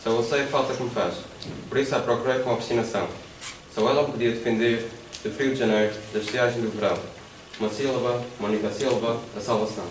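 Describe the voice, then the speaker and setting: A male student reading a poem aloud in class with a plain, steady delivery. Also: medium pitch, fast talker, slight background noise. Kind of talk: poetry reading. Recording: roomy hall, distant mic.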